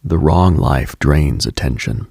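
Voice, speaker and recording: A man hosting a late-night radio show, giving a slow, contemplative monologue with halting pauses in a husky, gravelly voice, close on the mic. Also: rumbling low, lively intonation, darkish tone, no room sound. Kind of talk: reflective late-night spiritual monologue, ASMR-like.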